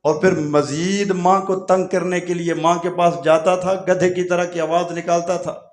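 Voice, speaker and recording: Male preacher telling emotional sermon stories, emphatic, kinda high voice, echoey. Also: flat delivery. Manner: dramatic, emphatic, acts out quoted dialogue. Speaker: Islamic preacher.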